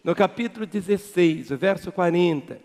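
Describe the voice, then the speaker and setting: Brazilian pastor preaching, kinda high voice, goes loud then quiet, big echoey church hall. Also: male voice, moderate pace. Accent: Brazilian Portuguese. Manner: emphatic, preacherly, swinging between loud exhortation and quiet low asides. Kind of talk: sermon. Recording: long reverb of a church hall.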